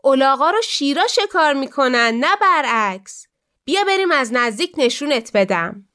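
A woman voicing a clever male fox in a children's storybook, speaking in a knowing, lowered, unhurried way. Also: expressive, bright, forceful tone.

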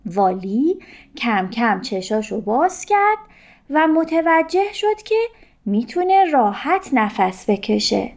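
A woman narrating a children's story in a gentle, expressive reading. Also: on the high side.

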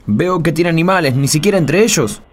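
A man's voice: on the high side, lively intonation, a little fast, close to an everyday voice. A man playing an anxious, self-doubting young disciple in a radio play, speaking Spanish with an Argentine accent in a pleading, self-deprecating way. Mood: weary, humble. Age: young adult. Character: tall thin young disciple, self-doubting, evasive fugitive. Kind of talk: radio play dialogue acting.

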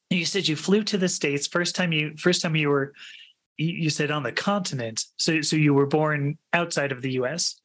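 A man's voice: a little high, normal speed, a bit bright. A man from California hosting a podcast, asking friendly questions with stammering restarts and lots of fillers. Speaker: podcast host. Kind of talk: casual interview chat.

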